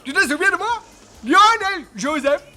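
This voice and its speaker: A man dubbing a film role as an exuberant man in disguise posing as a foreign visitor, with theatrical, drawn-out delivery. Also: extremely high pitch, animated. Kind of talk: dubbed film dialogue.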